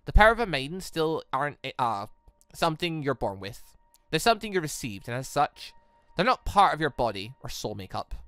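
A man voicing a sly, calculating young villainess in a deliberate, condescending way. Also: a little high, very animated, a bit bright, smooth, dry recording, voice pushed down. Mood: smug, calculating.

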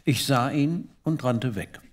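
A man's voice: medium pitch, slow pace, slight background noise. A man reading comic diary entries aloud on a show. When he talks freely he is loose and full of fillers. When he reads he keeps a dry, well-timed delivery. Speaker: co-host reading comic literature.

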